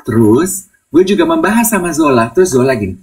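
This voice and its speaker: A man's voice: on the high side, fairly quick, recorded from a distance. A man, co-hosting a casual talk show, telling stories and acting out the voices he quotes. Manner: animated storyteller, acts out quoted voices, mixes English. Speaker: podcast co-host. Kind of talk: casual chat, retelling conversations.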